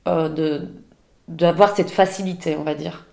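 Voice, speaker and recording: A woman's voice: sits low, steady tone, a little slow, vocal fry, a little mellow. A woman from Belgium, a podcast guest, talking casually and hesitantly with many restarts. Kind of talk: casual conversation. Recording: roomy echo.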